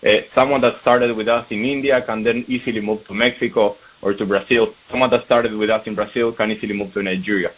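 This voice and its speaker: A man's voice: lowish voice, fairly even intonation, quick pace, hardly any pauses. A man answering questions as a company executive on an earnings call, explaining points and posing rhetorical questions. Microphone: conference call line. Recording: narrow, tinny phone-line sound.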